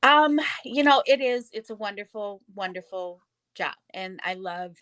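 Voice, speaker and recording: A woman's voice: mid-range voice, lively intonation, measured pace, a bit bright, clear, resonant tone, no echo. A woman from Wisconsin with a Wisconsin accent, answering interview questions about her cat cafe in a plainspoken, matter-of-fact way with dry humor.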